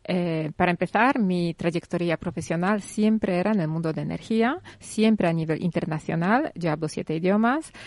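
Heard first is a woman with a Polish accent, her fairly low voice edged with a gravelly fry. She talks through her career with frequent pauses and fillers, recorded close and dry with no room around her. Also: darkish tone, dry recording. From Poland. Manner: hesitant, many fillers. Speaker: guest, photographer. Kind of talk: casual interview talk.

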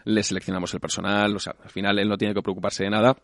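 A man's voice: fairly low pitch, level tone, fast talker, gravelly, fairly bright tone, dry recording, clean studio sound. A man talking as a franchise expansion director in a business interview, fluent with some fillers.

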